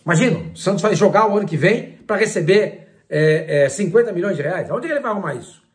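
An older man, commenting on football in a casual, animated way and retelling his conversations. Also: sits high, fairly quick. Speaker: sports journalist and commentator. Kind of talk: casual talk-to-camera commentary.

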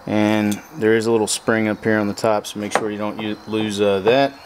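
A man's voice: fairly low pitch, little pitch movement, normal speed, background noise. A man walking through a repair step by step in a plain, practical way while he works with his hands at a truck bed. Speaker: motorcycle repair how-to host. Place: outdoors at a pickup truck bed workbench.

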